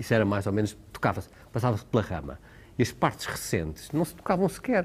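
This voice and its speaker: Very fast delivery, somewhat breathy, with very wide pitch swings. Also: man, fairly low pitch for a man. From Portugal. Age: 60s. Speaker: historian and novelist. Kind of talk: TV interview.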